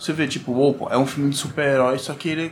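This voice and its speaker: Fairly high in pitch, this man has an unremarkable speaking voice with fairly even intonation. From Brazil. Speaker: podcast co-host. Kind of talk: casual chat.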